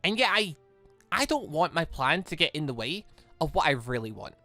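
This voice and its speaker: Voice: mid-range voice, very animated, moderate pace, sharp tone, dry recording, faint music behind. A gaming host voicing a flustered, haughty, short-tempered teenage heiress in an anime game, stammering and scolding. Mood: nervous, earnest.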